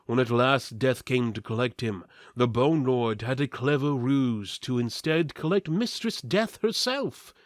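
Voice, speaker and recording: A man's voice: medium pitch, unhurried, hardly any pauses, dry recording, clean studio sound. A man giving a portentous, mock-serious dramatic reading of an epic fantasy story. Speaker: narrator, reader.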